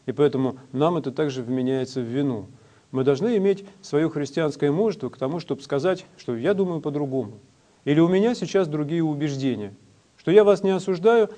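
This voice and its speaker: A man preaching a sermon in a measured, instructive way, with frequent hesitations. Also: a little high, dark tone.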